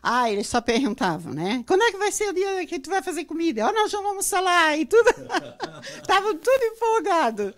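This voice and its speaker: A cheerful middle-aged woman from Paraná, Brazil, chats as a home cook in her kitchen. She laughs often, and her high voice moves up and down a lot. She speaks into a reporter's handheld mic. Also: sing-song, moderate pace.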